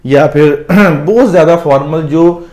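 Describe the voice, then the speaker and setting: A man with a Pakistani accent giving advice as a visa counsellor, explaining at length with frequent hesitant pauses. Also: a little high, darkish tone. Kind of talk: advisory conversation.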